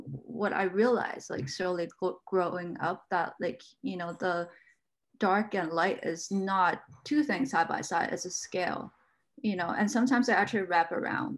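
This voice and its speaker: A young woman on a video call giving casual, reflective commentary in an informal, conversational way. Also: lowish voice. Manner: informal, frequent "like" and "you know". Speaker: artist, panel guest.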